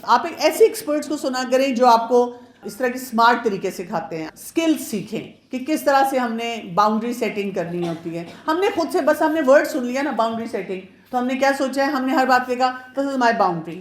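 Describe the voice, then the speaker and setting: A woman's voice: on the high side, animated, few pauses. Woman lecturer with a roomy echo. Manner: chatty, advising, switches between Urdu and English words. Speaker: pediatrician giving a marriage awareness talk. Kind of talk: informal lecture to women.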